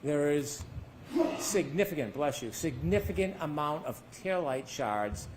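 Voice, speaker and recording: A man's voice: on the high side, animated, unhurried, noisy background. A man working as a defense attorney, cross-examining a witness with pointed leading questions that end in tags, heard in a courtroom recording.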